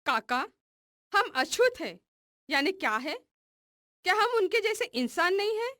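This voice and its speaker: Cartoon dub: a hurt, plaintive little boy, very high and slow, in a dry booth. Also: very animated, pushed and bright, dry recording, heavily acted. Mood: hurt, bewildered. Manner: plaintive, questioning. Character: young untouchable boy, thirsty, hurt and pleading. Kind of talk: animated film dubbing.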